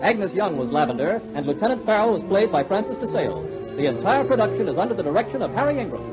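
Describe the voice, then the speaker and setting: A man's voice: sits high, sing-song, fast. A man announcing in the style of 1940s radio. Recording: muffled 1949 radio recording, loud music.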